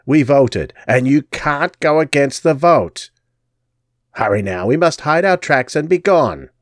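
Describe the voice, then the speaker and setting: A man's voice: on the high side, expressive, measured pace, no room sound, studio quality, pitched above the performer's own voice. A man voicing a stooped old gypsy crone who cackles and croons menacingly. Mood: crooning.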